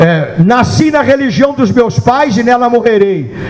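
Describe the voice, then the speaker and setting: With an animated tone and lively intonation, a man talks at an extremely high pitch and a fairly slow pace. Audible room echo and noticeable background noise fill the recording. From Brazil, Minas Gerais. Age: 70s. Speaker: missionary pastor. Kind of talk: sermon. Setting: church.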